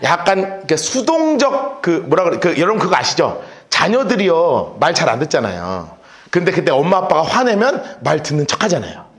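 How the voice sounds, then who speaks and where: A male pastor preaching a sermon in a church on a handheld microphone, telling the story in an animated way and acting out the voices of the people in it. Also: on the high side, a little fast. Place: church sanctuary. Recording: echoey church hall.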